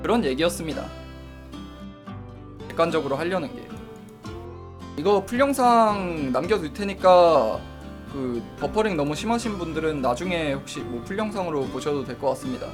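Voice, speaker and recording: A man's voice: on the high side, expressive, normal speed, long pauses, music in the background. A man streaming live, reasoning aloud about reviewing novels, often stopping to correct himself and answer chat. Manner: reads and answers viewer chat; says he doesn't use a dialect.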